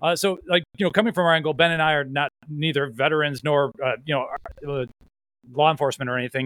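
Fairly high-pitched for a man, this is an unremarkable speaking voice. He talks at a fairly quick pace with ordinary pitch variation. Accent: American. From Texas. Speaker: podcast host. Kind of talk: casual interview.

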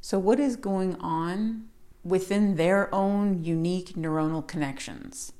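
Her medium-pitched voice is dark and mellow, with ordinary pitch variation and a fairly slow pace. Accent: American. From mid-California. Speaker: podcast host. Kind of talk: solo podcast monologue, explanatory. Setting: home recording with lapel microphone. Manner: conversational, laughs often.

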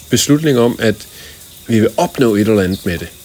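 Lively intonation runs through a man's unremarkable speaking voice at a moderate pace. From Denmark. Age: 60s. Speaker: podcast co-host. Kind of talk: casual chat.

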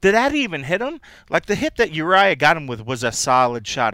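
On a very clean recording with a silent background, a man talks at a moderate pace. His is an ordinary speaking voice with lively intonation. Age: 40s. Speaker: MMA podcast co-host. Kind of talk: casual chat.

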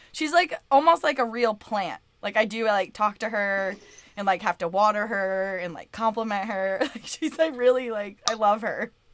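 A woman with an unremarkable speaking voice talks at a moderate pace in a fairly high pitch. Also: ordinary pitch variation. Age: 30s. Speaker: podcast co-host. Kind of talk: casual chat. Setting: remote video call.

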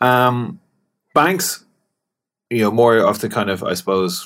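Here a man talks with an Irish accent. His pace is moderate. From Ireland. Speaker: head of sales at a fintech company. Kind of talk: panel discussion.

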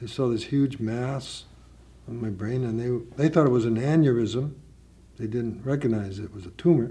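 A man speaks at medium pitch and a moderate pace, with a dark, mellow tone that is somewhat breathy. His pitch variation is ordinary, and his loudness swings widely. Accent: American. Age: 70s. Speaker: hospice chaplain. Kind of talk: casual interview.

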